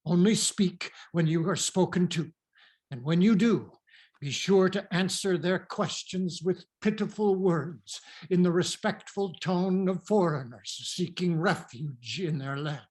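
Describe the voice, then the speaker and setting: An actor reading the part of a cautious, commanding father in a Greek tragedy, in a measured, solemn, instructive manner. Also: high voice, darkish tone. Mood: solemn, cautioning. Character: cautious, commanding elderly father leading refugee daughters.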